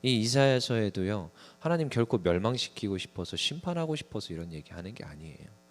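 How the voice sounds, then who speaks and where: Young male preacher, deep low voice, casual lively sermon, small church. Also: fairly quick. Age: young adult. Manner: conversational, lively sermon with acted asides to the congregation.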